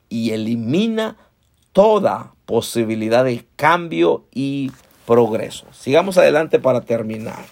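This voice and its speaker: Gravelly pastor preaching conversationally. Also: male voice, mid-range voice, darkish tone. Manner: conversational preaching, addresses the congregation as brothers, rhetorical questions. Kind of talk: sermon.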